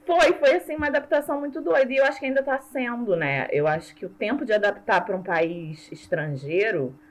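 A woman from Brazil with a Brazilian Portuguese accent, a language teacher chatting as an interview guest, self-mocking and quick to laugh. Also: medium pitch, poor audio. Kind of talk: casual conversational interview.

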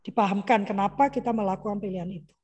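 A middle-aged woman giving a chatty parenting talk over a video call, lively and quick to mimic children's voices. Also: mid-range voice, slightly rough. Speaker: parenting speaker. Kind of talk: conversational online parenting talk.

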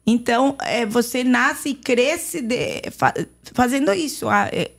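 A woman from Lebanon, raised in Argentina, with an accent mixing Arabic and Argentine Spanish, giving her personal testimony on a podcast in a halting way with many restarts. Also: fairly high pitch, creaky, fairly bright tone. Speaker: podcast guest. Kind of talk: personal testimony in casual conversation.

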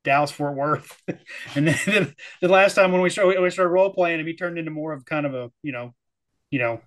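A man from the Texas-Oklahoma area, a player recapping a tabletop game in casual chat, halting and repeating words. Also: a little high, fairly bright tone.

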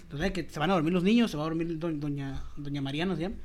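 A Mexican man spins a casual podcast story in a fairly high voice, full of slang and laughter. He rambles and restarts as he goes, keeping things loose and relaxed. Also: very fast, slight background noise. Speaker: podcast host.

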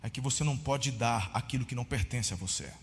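A Brazilian pastor tells a story in his sermon with lively swings, shouting at the peaks and often calling listeners brother. His mid-range voice moves fast, and the sound is that of a large hall.

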